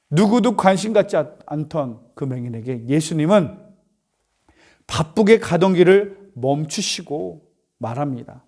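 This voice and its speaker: A male pastor preaches to young people, retelling the scene with rhetorical questions and acted-out voices. His voice sits noticeably high for a man. He delivers it in a church. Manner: animated, acts out voices, asks rhetorical questions. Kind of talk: youth sermon, storytelling.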